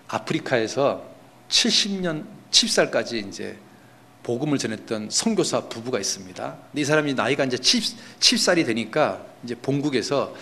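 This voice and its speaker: A man's voice: mid-range voice, a bit bright. A male pastor preaching a sermon in a church, telling a story that rises to emphatic, impassioned peaks. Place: church sanctuary.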